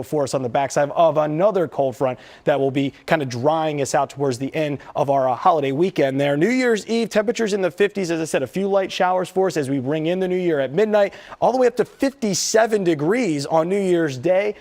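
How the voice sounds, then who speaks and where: A man's voice: a little high, fast talker, hardly any pauses, a little mellow. An American man presenting a live weather forecast as a TV meteorologist, talking in a conversational, explanatory way.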